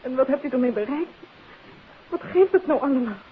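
A woman's voice: high voice, animated, fairly quick. An actress playing a guarded, anxious young woman in a 1950s radio drama, hesitant and defensive. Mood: indignant. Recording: hissy old phone-like radio recording.

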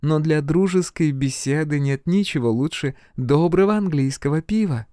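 A male reader voicing a shrewd older dowager duchess, gracious and gently commanding. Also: a little high, normal speed, clean tone, no room sound, studio quality, voice pushed up, close to an everyday voice. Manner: warm, grand, gently commanding.

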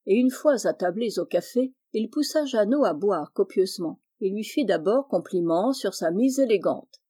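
Woman reading a novel aloud, mellow tone. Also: medium pitch, moderate pace. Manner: steady, clear narration. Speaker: audiobook reader.

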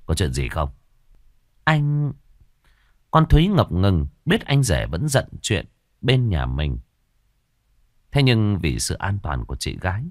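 A man narrating a horror story in a dramatic, expressive storytelling style. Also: fairly low pitch, no echo, clean studio sound. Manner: expressive, swinging dramatic delivery.

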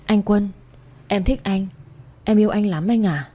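Woman playing drunk heartbroken young woman, slurred pleading speech, mellow tone, storybook. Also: mid-range voice, a little slow, close to an everyday voice. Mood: lovesick.

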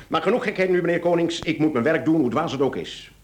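An actor playing a wily, apologetic police inspector in a radio play, chatty and politely bumbling. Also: male voice, a little high, expressive, normal speed, natural voice. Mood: wry, sly. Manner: feigned bumbling, jovial, hesitant politeness.

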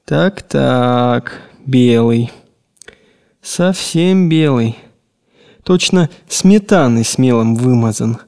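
A man doing a fussy, scolding old gentleman. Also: mid-range voice, animated, very slow, gravelly, clean tone, heavily acted. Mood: anxious. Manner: scolding, nagging, theatrical. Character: fussy old gentleman, grumbling tyrannical hypochondriac. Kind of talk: audiobook character reading.

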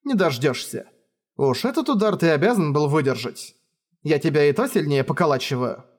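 Deadpan stern swordswoman, read by a man, blunt and cold, a bit higher voice. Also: normal speed.

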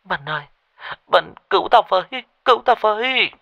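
In a ghost story, a male performer voices a terrified young woman on the phone, pitching his voice above its natural range so it sounds a little high, brisk, bright and forceful. She stammers and pleads breathlessly in panic, and the audio is dull with no echo.

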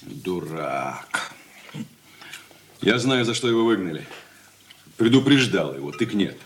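An actor playing a cold, irritable grown son who answers curtly in a radio play. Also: male voice, low voice, big pitch swings, slow pace, slight background noise, full character voice. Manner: curt and dry. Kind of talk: 1980s studio radio play acting.

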